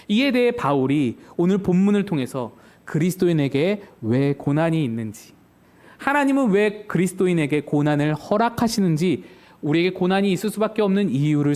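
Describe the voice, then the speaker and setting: A man's voice: high voice, a little mellow. A male pastor preaching a Sunday sermon in an emphatic storytelling manner. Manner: storytelling, emphatic, acts out quotes.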